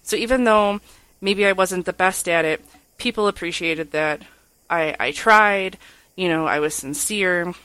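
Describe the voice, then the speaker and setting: Woman podcast cohost, lowish voice, candid n self-deprecating, casual chat, dry sound. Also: a little slow, a bit bright, clean tone, dry recording, low-quality recording. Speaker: podcast co-host. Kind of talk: casual, candid personal storytelling.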